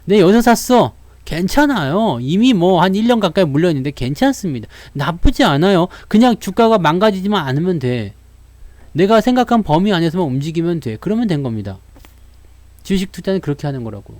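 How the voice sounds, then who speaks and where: A man's voice: sits high, very animated, fairly quick, darkish tone, no echo. A man giving a live stock market lesson, acting out investors' worries and answering them while talking straight to viewers. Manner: addresses viewers directly with frequent fillers.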